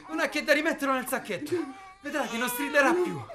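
An actor playing a tense local fixer from Salento, speaking with a Salento accent and breaking into shouts. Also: male voice, extremely high pitch, brisk. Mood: tense urging. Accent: Salento Italian. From Salento, southern Italy. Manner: tense, edgy, shouting in bursts. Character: desperate rough man, hardened local fixer. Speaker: local safari organizer. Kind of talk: short film acting. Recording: noisy location recording.

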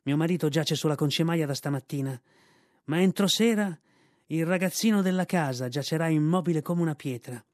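A man's voice: a little high, fairly quick, a little mellow, no echo, studio quality, close to an everyday voice. A man doing a hissing, menacing female cobra. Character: cruel female cobra, cold and threatening.

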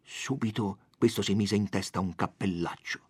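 Husky-voiced man reading a classic novel. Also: moderate pace, no echo. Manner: expressive, raises pitch for quoted characters. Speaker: audiobook reader. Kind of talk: dramatic literary reading.

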